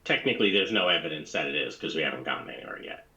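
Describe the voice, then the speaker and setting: Animated, raspy man questioning at the game table. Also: extremely low pitch, racing, dull audio. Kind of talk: casual game-table discussion.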